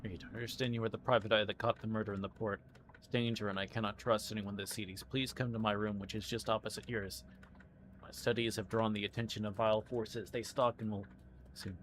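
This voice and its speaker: A man with a fairly low voice reads out in-game text and comments as he plays for a stream. There is some faint noise behind him. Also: little pitch movement, brisk, a bit bright. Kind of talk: let's play, reading game text aloud and commenting.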